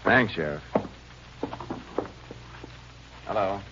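Deep-voiced laconic Texas Ranger. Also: male voice, animated, lo-fi sound, noisy background. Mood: stern, controlled. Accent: American. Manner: terse, measured questioning. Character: calm, laconic Texas Ranger investigator and narrator. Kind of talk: 1950s radio drama acting and narration. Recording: band-limited vintage radio recording with music.

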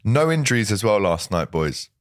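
Hoarse man hosting fan banter. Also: on the low side, normal speed, no echo, clean studio sound. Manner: excitable, banter-filled. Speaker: host. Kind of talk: casual fan podcast chat, reading viewer comments.

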